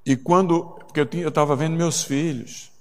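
A man's voice: a little high, fairly even intonation, a little fast. A man preaching a sermon, telling a story and growing emotional, his voice rising when he is moved. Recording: long hall reverb.

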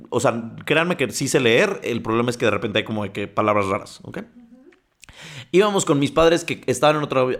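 Guy hosting a podcast, chatty, reading out listener stories, trips over words and keeps going off on tangents. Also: medium pitch. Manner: digressive, stumbles while reading and comments as he goes. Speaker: podcast host. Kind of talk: casual chat, reading listener stories aloud.

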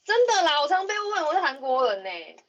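A woman's voice: high voice, sing-song, fairly quick, fairly bright tone. A woman, chatting casually in a blunt, joking way. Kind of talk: casual group chat. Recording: dull, noisy online call with clicks.

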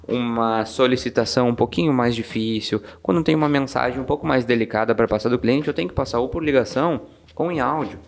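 A man's voice: medium pitch, vocal fry. A man hosting a podcast, explaining at length in an emphatic way and showing different tones of voice as he talks.

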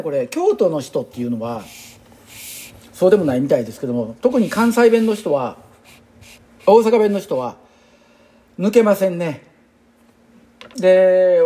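This is a man in his sixties who speaks with a Kansai accent, an exercise instructor musing aloud in a loose, chatty monologue. His voice sits a little high for a man. It has a soft, mellow color. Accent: Kansai Japanese. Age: 60s. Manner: rambling, chatty and reflective. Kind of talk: casual spoken monologue.

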